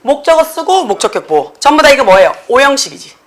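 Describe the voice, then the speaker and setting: Teacher with tag questions, slightly high. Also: female voice, fast talker. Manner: lively, tag questions after nearly every sentence, acts out students' replies. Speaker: middle-school English teacher. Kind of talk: classroom lecture. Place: classroom.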